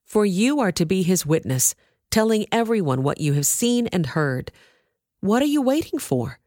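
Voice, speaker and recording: A woman's voice: mid-range voice, very animated, normal speed, dark tone, dry recording, clean studio sound. A woman reading the words of a devout, godly man urging a new believer on, in a scripture reading.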